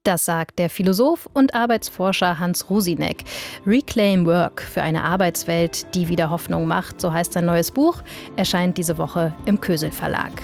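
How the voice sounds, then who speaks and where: A woman's voice: lowish voice, normal speed, vocal fry, a little mellow, soft background music. A woman hosting a radio interview, asking composed, probing questions.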